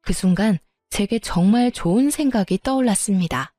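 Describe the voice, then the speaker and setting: A woman narrating a family story in the first person, in an even storytelling manner. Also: medium pitch, normal speed, no room sound, studio quality. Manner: even, storytelling, politely firm in quoted lines.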